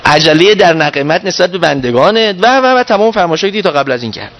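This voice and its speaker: A man teaching a class on a prayer text, reciting verses slowly and asking his listeners questions. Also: sits high, expressive, fairly bright tone, muffled recording. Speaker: religious teacher. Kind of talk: lecture explaining a prayer text.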